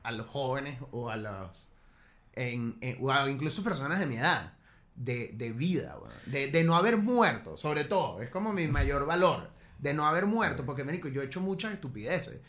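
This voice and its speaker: A man in his late thirties with a Venezuelan accent, talking casually with friends in slangy, halting phrases that often repeat words. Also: mid-range voice, big pitch swings, a bit bright. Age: late 30s. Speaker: podcast participant. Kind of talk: casual chat among friends.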